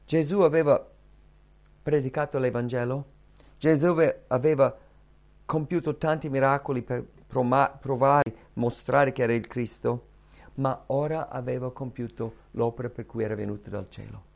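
Gravelly-voiced preacher, dramatic sermon. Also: male voice, mid-range voice, fairly even intonation, moderate pace. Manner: dramatic, swings from hushed to loud emphatic cries.

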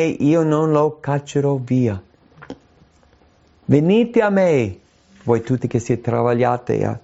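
A man preaching a sermon in an earnest, emphatic way, slowing down to stress key phrases. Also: mid-range voice, vocal fry, dark tone. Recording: dull lo-fi sound.

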